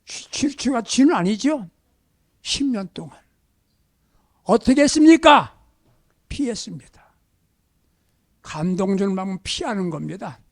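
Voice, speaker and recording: A male pastor delivers a sermon with a high, animated voice that rises and falls widely. He presses his points emphatically, then drops to soft, hushed near-whispers. The sound is dry and close, with no room echo. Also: unhurried, pauses often. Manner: emphatic preaching, swings between loud exhortation and hushed near-whispers.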